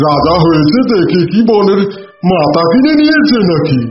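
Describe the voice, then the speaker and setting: A man's voice: high voice, sing-song, moderate pace. A man voicing an aggrieved, hot-headed tiger in a children's cartoon, indignant and blustering. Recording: dull, echoey audio with music.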